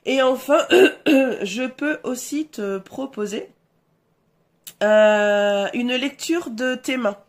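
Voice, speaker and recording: Stuffy-nosed French woman, tarot vlogger, slightly high, slow and hesitant delivery. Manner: slow, hesitant, many fillers, addresses viewers warmly as her "essentiels". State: stuffy nose from a cold. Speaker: tarot reader. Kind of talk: casual tarot guidance vlog.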